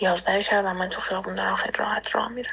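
Very fast speech from a woman at medium pitch, with noticeable background noise. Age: 20s. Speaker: painter. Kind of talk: recorded voice message.

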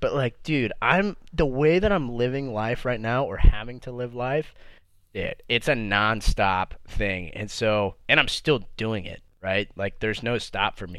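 A man with a Californian accent speaks at a fairly slow pace and medium pitch with very wide pitch swings, in a very clean recording with a silent background. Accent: Californian American. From California, Fresno. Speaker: air force pilot trainee. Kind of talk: casual chat.

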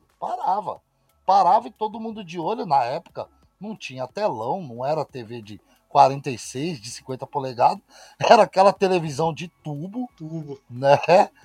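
A man speaks at a fairly slow pace and a fairly high pitch, with very wide pitch swings. The sound is dry and close, with no echo. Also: big swings in loudness. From São Paulo area, Brazil (Osasco). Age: 40s. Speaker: sim racing driver and coach. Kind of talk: casual interview chat.

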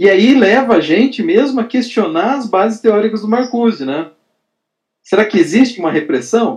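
A man's high-pitched voice moves at a moderate pace with lively intonation. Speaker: philosophy teacher, participant. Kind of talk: discussion comment.

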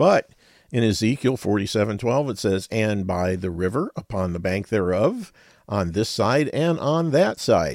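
With an unremarkable speaking voice, a man talks at a fairly slow pace in a fairly low pitch, his intonation lively. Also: very clean recording, silent background. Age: 60s. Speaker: radio health show host, retired sergeant. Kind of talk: talk radio monologue. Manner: casual, chatty.

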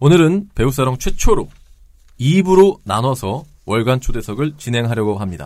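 A man speaks at a moderate pace with medium pitch. His pitch swings very widely. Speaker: podcast host. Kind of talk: casual chat. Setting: studio.

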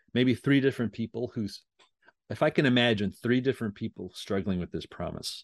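A man talks in an ordinary speaking voice at medium pitch, with ordinary pitch variation. The background is quiet, and the sound is dry and close with no echo. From Montreal, Canada. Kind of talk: interview.

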